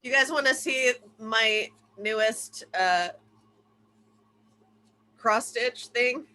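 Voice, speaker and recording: A woman with a high, very bright voice chats casually with friends. She is exclamatory and sweary, and the video call audio carries some background noise. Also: drawn-out words, poor audio. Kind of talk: casual excited chat with friends. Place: indoors at home, in a bedroom.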